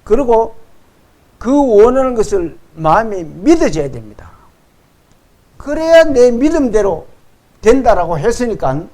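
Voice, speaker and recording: A middle-aged male pastor preaching a sermon, reading verses slowly and with emphasis and acting out the quoted voices. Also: high voice, big pitch swings, dark tone.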